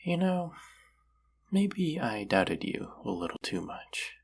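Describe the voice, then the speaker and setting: Man acting a husky, very gravelly young romantic crush. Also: very animated, heavily acted. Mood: playful, teasing. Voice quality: husky, breathy, gravelly low voice. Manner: slow, hushed, teasing, trailing pauses. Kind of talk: intimate romantic audio roleplay.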